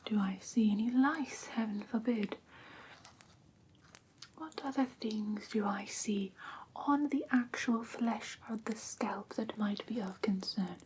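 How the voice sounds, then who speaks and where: A woman playing a gentle, prim vampire teacher in whispered ASMR roleplay, breathy and careful, close to the microphone. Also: fairly high pitch, takes it slowly, a little hiss or hum, poor audio. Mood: calm, attentive. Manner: soft, careful, instructive, politely formal. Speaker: ASMR performer.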